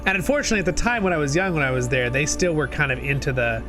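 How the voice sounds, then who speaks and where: Young man in his twenties, sniffly, slightly high voice, rambling casual stream chat, music behind. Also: racing. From Southern California. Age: 20s. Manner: rambling, chatty, talks to chat. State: sniffly from a cold.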